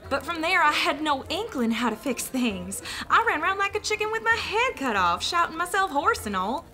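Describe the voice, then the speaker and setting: A woman's voice: very high-pitched, sing-song, moderate pace, sharp tone, faint music behind, heavily acted. A woman playing a plucky, teasing young ghost of a village sister in an audio drama, with a folksy, plain-spoken manner. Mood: earnest.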